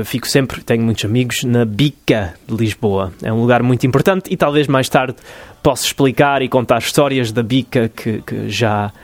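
A man's voice: medium pitch, no echo. Guy hosting a solo podcast, hesitant, lots of uhs and restarts, dry close sound. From United States (New Jersey). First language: English. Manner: hesitant, many fillers and restarts, reflective. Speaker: podcast host. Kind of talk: casual solo podcast monologue.

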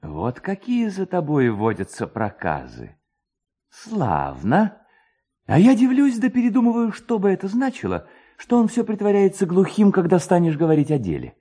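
A man's voice: sits high, wildly swooping pitch, normal speed, mellow, slightly rough, voice pushed up, full character voice. A man voicing a mischievous, spirited young village lad who rallies his friends in a dramatised story reading. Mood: gleeful, vengeful. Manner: spirited, exclaiming, rallying. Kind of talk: dramatised reading of a classic tale.

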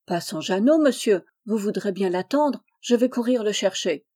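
Woman doing polite earnest peasant boy, kind, soft mellow tone, storybook reading. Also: mid-range voice, animated, normal speed, close to an everyday voice.

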